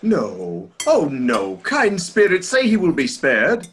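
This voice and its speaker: Guy doing an anxious old miser gent, kinda high voice, formal and hesitant, radio play. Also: wildly swooping pitch, slow pace, a bit bright, a little hiss or hum, full character voice. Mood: anxious, pleading. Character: humbled, anxious old Victorian gentleman miser. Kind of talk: radio play acting of a Victorian tale.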